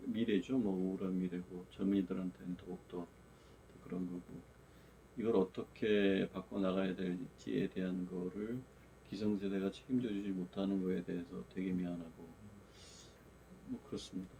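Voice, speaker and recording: A man's voice: low voice, moderate pace, vocal fry, mellow, slight background noise, poor audio. A middle-aged man on a discussion panel, speaking in a reflective, rueful way. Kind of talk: casual roundtable discussion.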